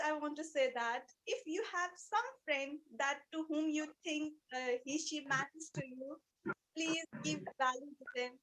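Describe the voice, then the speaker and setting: A woman who is a non-native English speaker, giving a rehearsed personal speech in an earnest, emotive way with deliberate repetition. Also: high voice, a bit bright, low-quality recording. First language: not English. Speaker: speech club participant giving a practice speech.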